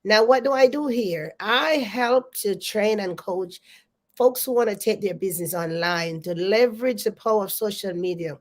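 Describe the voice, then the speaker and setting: Woman, congested, live stream host, energetic, repeats herself to the audience. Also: medium pitch, moderate pace. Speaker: host of a live business coaching show. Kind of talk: live stream talk to viewers.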